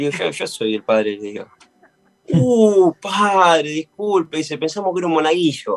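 A man with a high pitch talks at a moderate pace with very wide pitch swings. The sound is dry and close, with no echo. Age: 30s. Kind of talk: interview.

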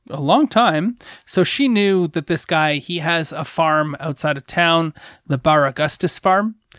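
A man's fairly high-pitched voice, fairly bright in tone, with ordinary pitch variation and a fairly slow pace, on a very clean recording with a silent background.

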